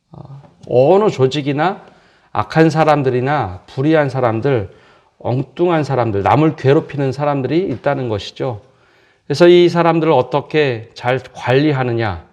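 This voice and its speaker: Calm earnest male pastor preaching. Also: medium pitch. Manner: calm earnest exhortation with rhetorical questions. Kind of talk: early morning prayer sermon.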